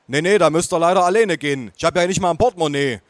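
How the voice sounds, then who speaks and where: A man voicing a charming, stubborn old grandfather with dementia in an audiobook, speaking in a lively, teasing way. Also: a little high, racing, no echo, voice pushed up, close to an everyday voice. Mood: protesting. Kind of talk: audiobook character voice.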